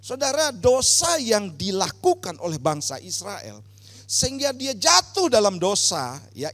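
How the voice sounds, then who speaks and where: High-voiced male pastor preaching in a hall. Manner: emphatic preaching, swells loud on key words, frequent rhetorical "saudara". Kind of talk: sermon. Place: church sanctuary. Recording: church hall reverb.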